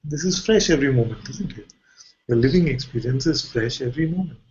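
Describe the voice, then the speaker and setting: A man leading an informal guided spiritual dialogue as a teacher, asking probing questions and pausing mid-sentence. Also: mid-range voice, expressive, a little mellow, highs cut off.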